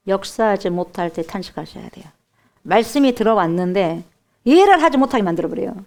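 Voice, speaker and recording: A woman's voice: mid-range voice, smooth. A woman pastor with a Jeolla accent preaching a sermon emphatically and putting direct questions to the congregation.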